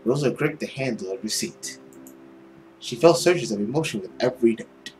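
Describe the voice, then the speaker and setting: A young man reading a visual novel aloud in a theatrical, expressive storytelling style. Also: mid-range voice, normal speed, low-quality recording. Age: young adult. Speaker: gaming video host. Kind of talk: dramatic read-aloud narration of a visual novel. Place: small room at home, indoors. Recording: loud music under the voice. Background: loud game music.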